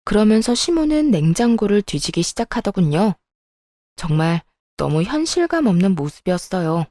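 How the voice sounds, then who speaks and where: A woman's voice: mid-range voice, big pitch swings, moderate pace, warm tone, no room sound, clean studio sound. A woman narrating a first-person story as a young wife, with a plaintive, exasperated way of telling it.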